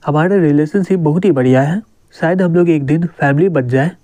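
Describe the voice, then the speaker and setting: A man voicing a cheeky teenage schoolboy with x-ray vision who is quick to talk back, in a manga recap. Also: on the high side, mellow, no room sound, lightly acted.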